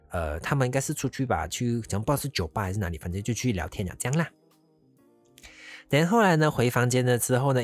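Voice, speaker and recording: A man casually telling a travel story, rambling along and slipping into English phrases. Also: on the low side. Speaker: vlogger.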